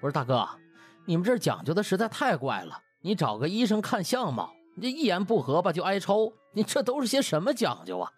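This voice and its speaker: Wronged young doctor acted by a man, comic audiobook, animated and complaining, rough-edged, music underneath. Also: high-pitched, brisk, pitched above the performer's own voice, exaggerated voice. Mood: indignant. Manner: indignant, complaining. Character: aggrieved, cheeky young male doctor protesting loudly.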